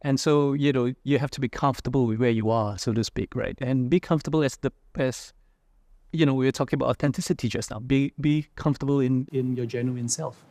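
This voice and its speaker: A man's voice: medium pitch, steady tone, fairly quick, darkish tone, dry recording, studio quality. A man from Indonesia, an entrepreneur being interviewed, talking reflectively with many fillers and "right?" tags. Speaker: entrepreneur guest. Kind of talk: casual interview talk.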